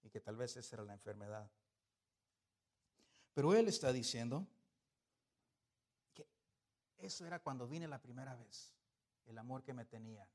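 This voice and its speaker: A man preaching a sermon, animated, swinging between loud emphasis and soft asides, asking the congregation rhetorical questions. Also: medium pitch, moderate pace, pauses often.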